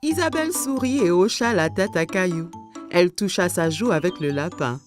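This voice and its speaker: A woman narrating a children's cartoon as a scripted story, telling it clearly in simple sentences. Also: fairly low pitch, animated, moderate pace, soft background music, lightly acted.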